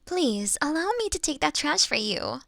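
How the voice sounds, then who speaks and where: A woman's voice: high-pitched, sing-song, creaky, fairly bright tone, no echo, clean studio sound, exaggerated voice. A woman voicing a kind, playful female vampire who reassures and teases politely in an intimate roleplay audio drama. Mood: chatty, warm. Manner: soothing, polite, teasing, unhurried.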